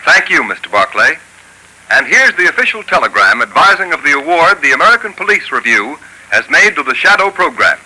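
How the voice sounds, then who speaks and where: A man's voice: a little high, sharp tone, low-quality recording. A man announcing a 1930s radio program, with a formal, declamatory delivery. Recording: old radio broadcast.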